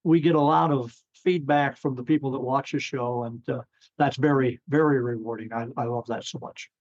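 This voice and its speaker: A man who acts in a community cast, talking haltingly in a conversational podcast interview. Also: mid-range voice, fairly even intonation, darkish tone. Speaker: community radio play actor. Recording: dull, lo-fi sound.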